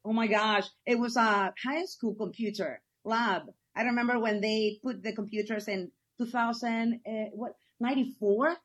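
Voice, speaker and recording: Enthusiastic woman from Ecuador, fairly high voice. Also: fairly even intonation, normal speed, few pauses. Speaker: guest. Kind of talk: casual conversational interview.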